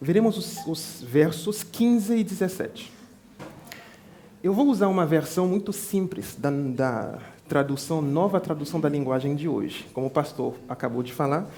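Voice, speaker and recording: A man with a French accent, fairly high in pitch, with lively intonation at a fairly slow pace, in audible room echo. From Haiti. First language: French (speaking Portuguese). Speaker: pastor. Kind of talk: sermon. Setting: church.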